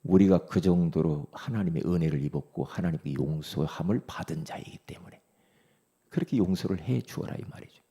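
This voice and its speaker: A male pastor preaching a dawn prayer sermon, asking the congregation questions and swinging from loud exclamations to hushed whispers. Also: low voice, fairly quick. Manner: asks the congregation rhetorical questions.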